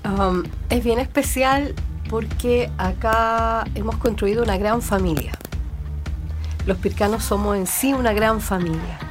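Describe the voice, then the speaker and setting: A woman's voice: medium pitch, measured pace, over music. Thoughtful woman, folklorist guest. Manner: thoughtful, clears throat often. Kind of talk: casual interview talk.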